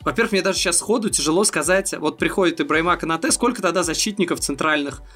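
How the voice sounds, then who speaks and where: A man's voice: fairly high pitch, fast talker, a bit bright, soft background music. A man co-hosting a football podcast, talking things through in a thoughtful, analytical way with hesitant fillers. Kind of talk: casual chat.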